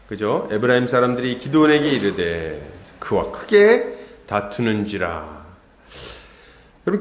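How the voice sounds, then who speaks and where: A man's voice: mid-range voice, echoey room. A male pastor preaching an expository sermon, often asking the congregation questions and acting out what people might have said. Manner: asks the congregation questions, acts out quotes. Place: church sanctuary.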